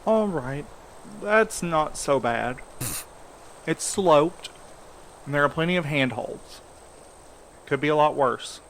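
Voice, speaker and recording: A man's voice: on the high side, expressive, slow pace, long pauses, fairly bright tone, slight background noise, full character voice. A man acting an earnest, determined leader of a group of friends in a naturalistic audio drama, speaking in a matter-of-fact, encouraging way.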